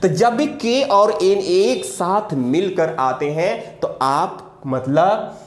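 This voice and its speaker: A man teaching an English grammar lesson. He drills example words emphatically, jumping high and dropping low, and slowly repeats key words. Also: expressive, echoey room, a little hiss or hum. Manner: emphatic, drills examples with sharp rises and drops. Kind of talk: classroom-style video lesson.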